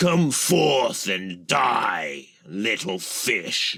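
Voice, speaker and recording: This is a put-on character voice. It growls. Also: man, fairly low pitch for a man. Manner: snarling, menacing.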